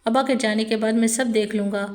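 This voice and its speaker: A woman voicing a grown son who talks in a smooth, falsely soothing way. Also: fairly high pitch, steady tone, lightly acted. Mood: falsely sweet.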